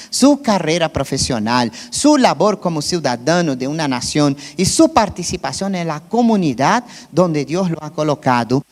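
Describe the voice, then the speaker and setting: In a church with big-room sound, a native Portuguese speaker from Brazil delivers a sermon in Spanish, his Brazilian Portuguese accent audible. His somewhat mellow voice is on the high side, and his style is conversational, with frequent check-ins with the congregation.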